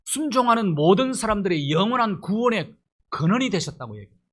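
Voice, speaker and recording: Korean pastor preaching with rising emphasis. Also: male voice, high-pitched, very animated, fast, a bit bright. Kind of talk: sermon.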